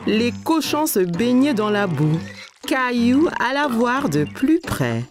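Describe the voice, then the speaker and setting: A woman's voice: a little high, big pitch swings, slow pace, over music. A woman narrator reading a scripted children's story expressively, as if to small children.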